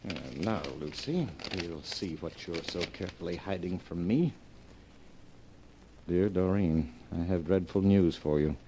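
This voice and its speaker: An actor playing a guilty, suspicious husband in an old-time radio drama, with a theatrical, edgy delivery. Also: male voice, sits low, fairly even intonation, normal speed, few pauses, background noise, natural voice. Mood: suspicious, menacing.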